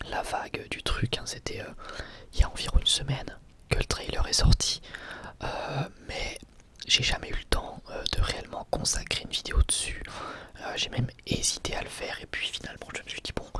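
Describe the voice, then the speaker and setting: Casting: young male ASMR creator, soft unvoiced whisper, very varied inflection, hesitant off-the-cuff commentary delivery. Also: medium pitch. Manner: hesitant, unscripted, conversational.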